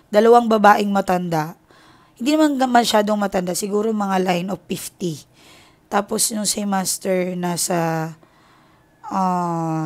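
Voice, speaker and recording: A woman's voice: medium pitch, darkish tone. A woman from the Philippines, a tarot reader, telling a personal story in a candid, confiding way, linking her thoughts with many filler words.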